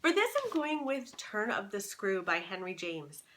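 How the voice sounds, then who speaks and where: A woman's voice: mid-range voice, big pitch swings, moderate pace, a bit bright, slight background noise. A young adult woman, chatting casually and emphatically as a book vlogger recommending reads. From Canada.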